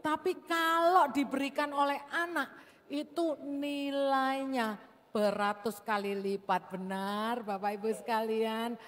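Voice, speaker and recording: A woman pastor preaching in a church service, speaking with amens and asking the congregation questions. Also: a little high. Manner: warm preaching with call-and-response amens. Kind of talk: sermon. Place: large church hall. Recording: reverberant church hall with music.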